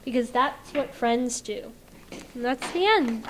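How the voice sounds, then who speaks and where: A woman's voice: a little high, animated, slow. A woman reading a children's story aloud as a volunteer. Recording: slightly noisy live room recording.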